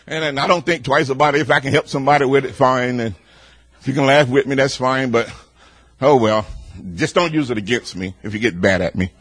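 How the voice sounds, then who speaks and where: A man preaching a sermon in a loud, boisterous way, building up to near shouting and easing back into storytelling. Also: medium pitch, brisk, slightly rough, no room sound.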